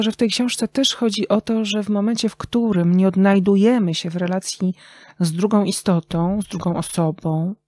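A woman speaking as an interview guest, reflective and conversational, with thoughtful, halting phrasing and pauses. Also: medium pitch, a little mellow, dry recording. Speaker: interview guest, writer and radio journalist.

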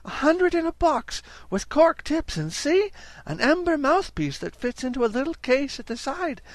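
A man's voice: very high voice, sing-song, normal speed, dry recording, pitched above the performer's own voice. A man voicing an eager, boastful twelve-year-old boy in a read-aloud story. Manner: eager, showing off.

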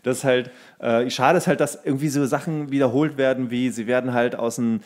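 A man with a medium-pitched voice chats casually as a podcast co-host. He rambles through his retellings and readily slips into acted-out quotes. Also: steady tone, brisk. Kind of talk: casual chat about films.

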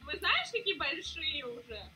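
Very high, giggly teenage girl. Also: sing-song, normal speed, crowd noise. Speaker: video chat stranger. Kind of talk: casual chat. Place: outdoors.

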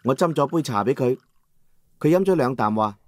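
A man with a Cantonese accent narrating a first-person novel as an audiobook, in a steady descriptive storytelling manner. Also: mid-range voice, moderate pace, dry recording.

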